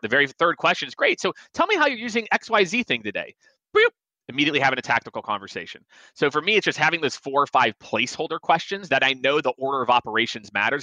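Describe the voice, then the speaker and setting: A man's voice: medium pitch, pushed and bright, no echo, low-quality recording. A man in his forties, a sales expert guest on a podcast, giving emphatic advice and acting out quoted lines. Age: 40s.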